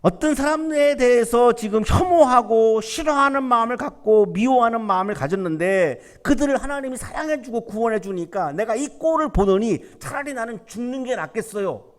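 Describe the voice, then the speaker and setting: A man's voice: very high voice, expressive, normal speed, hardly any pauses. A man preaching a sermon as pastor, talking conversationally and asking rhetorical questions. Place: university church sanctuary. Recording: church hall reverb.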